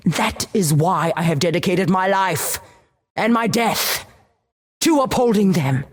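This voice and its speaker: A woman's voice: on the low side, lively intonation, measured pace. A woman playing a devout keeper of tribal traditions, speaking earnestly and solemnly in a fantasy game monologue.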